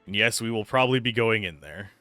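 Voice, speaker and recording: A man's voice: fairly low pitch, quick pace, pushed and bright, dry recording. A man streaming a game, giving live commentary and reading game text aloud into a close microphone. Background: faint game music.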